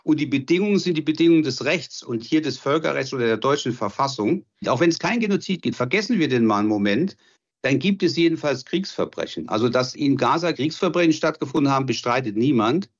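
A man's voice: mid-range voice, expressive, quick pace, lo-fi sound. A man explaining legal arguments emphatically in an interview clip. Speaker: law professor.

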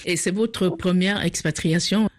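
An interviewer asking brief, direct questions. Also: male voice, high voice, steady tone, unhurried.

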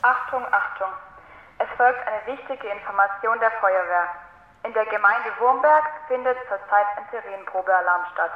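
A fire brigade warning announcement, played through a vehicle loudspeaker and heard outdoors, formal and slow. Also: medium pitch. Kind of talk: prerecorded public warning announcement. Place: outdoors on a village street. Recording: muffled, echoing loudspeaker sound heard from the street.

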